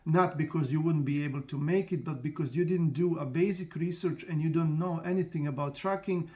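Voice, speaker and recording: A man with as a talks frankly to camera, pitched a little above most men. He rambles, trips over restarts and fills pauses with "uh" as he goes. His tone is casual and direct, like someone explaining his own business. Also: darkish tone. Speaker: trucking company owner and channel host. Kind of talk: casual vlog talk to camera.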